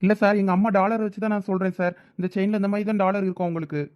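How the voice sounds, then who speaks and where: A man's voice: high-pitched, flat delivery, rapid-fire, clear, resonant tone, dull audio, close to an everyday voice. A man voicing a dutiful young son in a village cartoon, respectfully explaining himself with a Thoothukudi Tamil accent. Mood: polite, earnest. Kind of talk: cartoon village drama dialogue.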